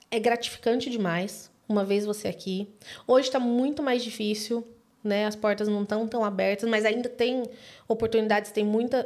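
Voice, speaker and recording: A Brazilian woman with a Brazilian Portuguese accent, a podcast guest telling a story in casual talk and acting out the voices she quotes. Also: medium pitch. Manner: animated, acts out quoted voices.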